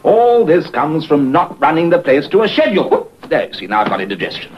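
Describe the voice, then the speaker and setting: A man's voice: a little high, huge pitch swings, brisk. A pompous, exasperated father. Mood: flustered. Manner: pompous, wordy scolding. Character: stern, exasperated middle-aged father of the household. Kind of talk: 1940s British film acting. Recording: muffled 1940s film soundtrack.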